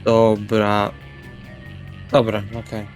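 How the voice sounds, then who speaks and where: A man's voice: fairly low pitch, monotone, very slow. A man playing in a tabletop roleplaying game, talking casually both in and out of character. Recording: background music with guitar. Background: guitar music.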